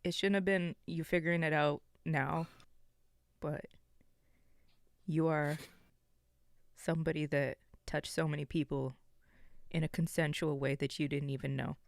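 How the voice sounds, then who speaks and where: A man's voice: on the high side, little pitch movement, unhurried, vocal fry, pauses often, no room sound, studio quality. A man speaking casually and sincerely as a panelist giving a tribute. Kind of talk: heartfelt spoken tribute.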